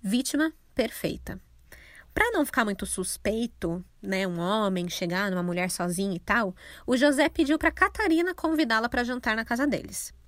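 A woman's voice: fairly high pitch, no echo. Irreverent young Brazilian woman, true crime. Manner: irreverent, sarcastic, swears freely. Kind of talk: casual true crime storytelling.

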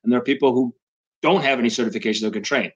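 Man, measured, explanatory, mid pitch, slightly dull call audio. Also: slightly rough. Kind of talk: casual podcast chat. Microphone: online call.

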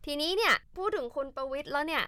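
A woman co-hosting a casual political talk show, an academic telling the news in a chatty, animated way. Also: high-pitched, quick pace, dry recording. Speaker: co-host, academic.

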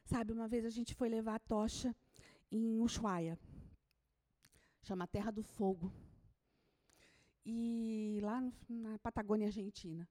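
High-pitched woman preacher; fervent sermon delivery, alternating shouted declarations with quiet, whispered moments. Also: fairly even intonation, measured pace, pauses often. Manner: swings from shouted proclamations to hushed near-whispers.

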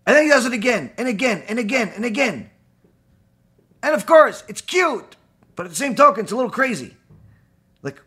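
Husky, lively man lecturing. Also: high voice. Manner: animated, rhetorical questions, frequent "you know" fillers. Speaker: Torah teacher. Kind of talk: recorded lecture.

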